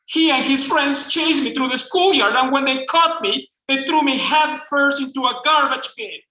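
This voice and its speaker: A man's voice: very high voice, moderate pace, sharp tone, voice pushed up. A man with a Mexican accent reading aloud as a flamboyant, unashamed gay Southern man, putting on a Southern accent. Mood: teasing. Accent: attempted Southern US. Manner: theatrical, campy read-aloud delivery. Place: bookstore event space. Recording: echoey room.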